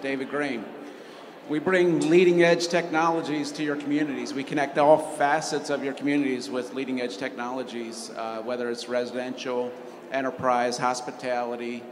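Man on a panel, lots of uhs, faint room hum, long reverb. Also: medium pitch. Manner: hesitant, many uh fillers. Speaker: company CEO, panelist. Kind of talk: conference panel introduction. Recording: reverberant conference hall.

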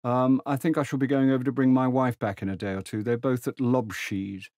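Man reading as a blunt young gentleman, lecturing, cynical, dry studio sound. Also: medium pitch, flat delivery, a little fast, dry recording, voice pushed up, natural voice. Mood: offhand.

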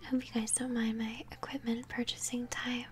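Whispering young woman, gentle ASMR game commentary. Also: fairly high pitch, flat delivery, slight background noise. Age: young adult. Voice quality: soft, breathy whisper. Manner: gentle, chatty, unhurried narration of play. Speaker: game streamer, host. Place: small home room, indoors. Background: game music.

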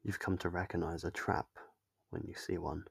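Low, gravelly male horror narrator. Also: little pitch movement, moderate pace, dry recording, studio quality. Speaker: story narrator. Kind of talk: scripted second-person ASMR horror narration. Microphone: close, dry microphone.

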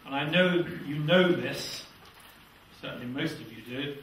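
An older British man preaches a fervent sermon with scripture reading in a small church hall before a seated congregation, his voice fairly high and a little slow, sinking to a hush as each phrase ends. He wears a lapel mic but sounds somewhat distant in the very echoey hall, with a bit of hiss or hum.

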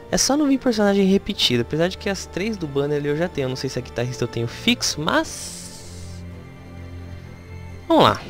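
A game streamer with a Brazilian Portuguese accent, excitedly commenting on gameplay during a live stream and talking straight to the game. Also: medium pitch.

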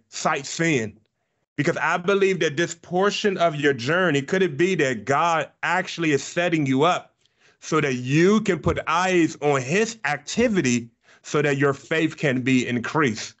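A man in his thirties, a pastor preaching a sermon to camera, fervent and often repeating words as he starts sentences, on a boom studio mic in a small studio set. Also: a bit bright, dull audio. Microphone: boom-mounted studio mic.

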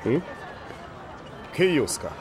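Stoic older man, expressive pitch. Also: crowd noise, noisy background. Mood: stoic, pensive. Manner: formal, terse, deliberate phrasing. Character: stoic, reflective older man of measured logic. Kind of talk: anime-style audio drama acting.

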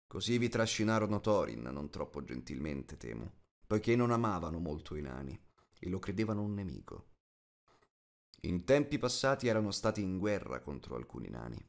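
A man narrating a fantasy audiobook as a scripted, expressive storyteller. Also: lowish voice.

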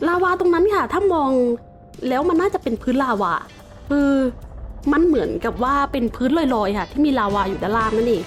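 A woman's voice: high-pitched, very animated, brisk, soft background music. A Thai woman playing Minecraft and commenting as she goes, mixing playful mock-villain taunts with polite explanations of the game. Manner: polite sentence endings, explains game facts. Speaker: gaming YouTuber.

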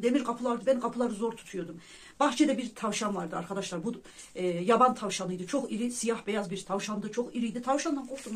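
Quick, earnest vlogger recounting personal spiritual experiences straight to camera. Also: mid-range voice, darkish tone. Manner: earnest, keeps addressing listeners as friends; tells about dreams and visions in a devout tone. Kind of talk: casual personal storytelling to viewers.

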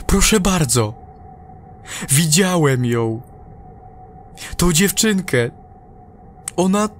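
A man playing a frightened, desperate space crew member in an audio horror drama, agitated and halting, swearing as he pleads. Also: on the high side, slight background noise, voice pushed up.

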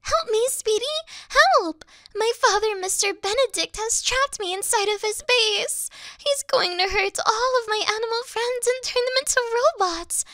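A woman playing a sweet, clingy young yandere video game girl in a soft, coy, cutesy ASMR roleplay style. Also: very high-pitched, moderate pace, dry recording, clean studio sound. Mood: pleading, frightened.

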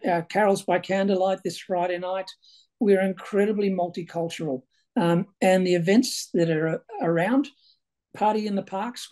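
A man's voice: high-pitched, dark tone. A man in his sixties, born in Ireland, talking as a local councillor on a video call from a small room, chatty and repeating words as he goes. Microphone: video call webcam.

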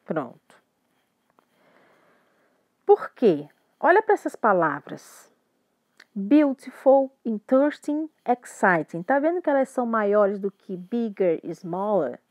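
A woman's voice: mid-range voice, big pitch swings, slow pace, long pauses, a little mellow, no room sound, highs cut off. A woman with a Brazilian Portuguese accent teaching an English grammar lesson, patiently explaining and often checking that students follow. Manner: patient, repeats and checks understanding.

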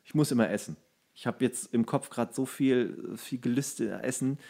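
A man's voice: medium pitch, normal speed, vocal fry, warm tone. Joking man chatting on a podcast. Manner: loose, joking, slangy. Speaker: podcast co-host. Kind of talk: casual chat. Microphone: studio microphone.

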